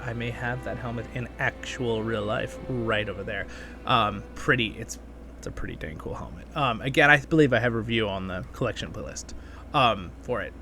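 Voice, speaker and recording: Bright-voiced man hosting a game guide. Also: mid-range voice. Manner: rambling, chatty, addresses viewers as friends. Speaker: gaming channel host. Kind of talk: casual gameplay guide commentary. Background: game background music.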